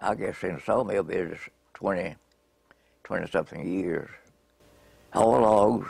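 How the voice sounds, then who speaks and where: The speaker has an East Texas accent and a moderate pace. Long, frequent pauses break up the speech. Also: man. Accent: East Texas Southern American. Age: 80s+. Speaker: retired sawmill worker. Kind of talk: interview answer.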